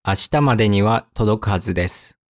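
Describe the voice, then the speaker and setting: A man gives a vocabulary lesson in a slightly low voice, repeating each word and example sentence with careful enunciation. The recording is close and dry, with no room sound around him. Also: dry recording. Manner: slow, careful enunciation with repetition. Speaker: Japanese teacher.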